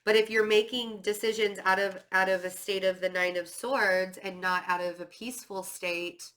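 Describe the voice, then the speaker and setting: Steady and fairly bright, this woman's mid-range voice moves at a normal speed, though a cold leaves it stuffy and a little nasal. She gives an informal tarot reading on camera, chatty and filler-heavy with "um" and "like," saying she feels nervous and fidgety.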